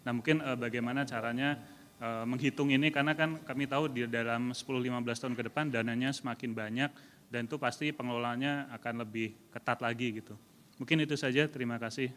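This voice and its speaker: A man's voice: medium pitch, fairly even intonation, fast talker, a bit bright, big-room sound, slight background noise. A man, a civil servant in the audience, asking a formal question deferentially, with hesitations.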